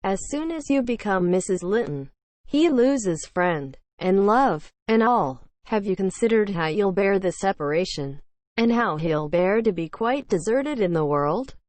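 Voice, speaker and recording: A woman voicing a blunt, superstitious female servant in a storybook, brisk and admonishing. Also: medium pitch, animated, darkish tone, no echo, natural voice. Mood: scolding.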